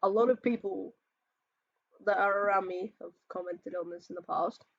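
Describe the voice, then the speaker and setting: A man's voice: high voice, fairly even intonation, moderate pace, vocal fry, no echo, lo-fi sound. An Australian trans man with a feminine-sounding voice, ranting casually while reacting to memes, swearing often and rambling between sighs and laughs. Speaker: reaction video host.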